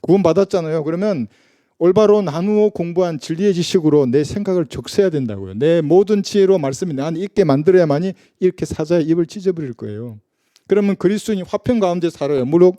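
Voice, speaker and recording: A man's voice: sits high, dark tone, dry recording. A man preaching a sermon as pastor in a casual, conversational way, asking his listeners rhetorical questions and briefly acting out the people he quotes. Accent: Gyeongsang Korean. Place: church.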